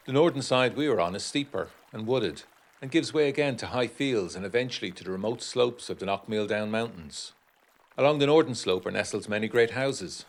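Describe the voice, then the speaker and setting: An actor as a low-voiced, uneasy 1920s gentleman. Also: natural voice. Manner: formal, measured, literary. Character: uneasy, educated gentleman writing letters from 1920s Ireland. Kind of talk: dramatic reading of a gothic period letter.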